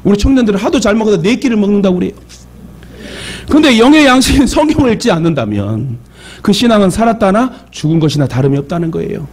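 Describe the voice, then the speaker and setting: Man, pastor, Jeolla Korean accent, animated sermon, high voice, calls for amens. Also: fast. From Jeolla region of Korea. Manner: lively, calls for amens, joking asides. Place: church sanctuary.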